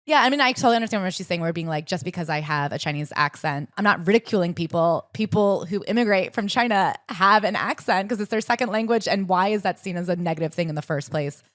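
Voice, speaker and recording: A young woman co-hosting a podcast, summarizing a book and reading passages aloud in a brisk, chatty way. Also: fairly low pitch, dry recording, studio quality. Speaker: podcast co-host. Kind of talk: casual book-club chat with read-aloud passages.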